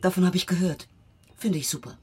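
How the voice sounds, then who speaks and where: A woman's voice: on the low side, fairly even intonation, a little fast, darkish tone, breathy edge. An actress playing a patient, polite policewoman in a German crime radio drama, matter-of-fact and official. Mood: businesslike. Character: businesslike policewoman taking witness details, patient and polite. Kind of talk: German audio drama acting.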